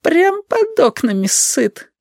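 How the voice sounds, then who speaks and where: A man reading a story and voicing a nosy, grumbling old grandmother in a high, drawling, sing-song voice. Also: big pitch swings, slow pace, gravelly, dry recording, studio quality, full character voice. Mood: querulous.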